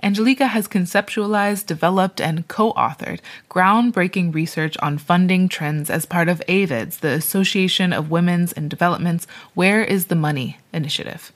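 Lowish-voiced woman reading a podcast script. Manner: measured, informative, reading. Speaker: podcast host. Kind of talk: scripted narration.

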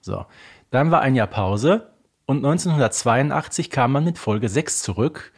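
A man co-hosting a talk podcast, chatting about an audio drama series like an animated storyteller and posing rhetorical questions. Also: mid-range voice, moderate pace, breathy edge. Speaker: podcast co-host.

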